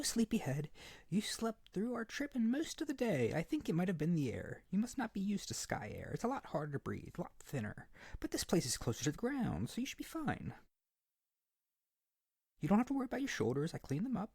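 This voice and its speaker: A man's voice: high voice, vocal fry, darkish tone, slightly rough, no room sound, studio quality, full character voice. A man voicing an eager, naive young male harpy in an ASMR roleplay, chattering earnestly and nervously to the listener. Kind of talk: ASMR roleplay audio drama.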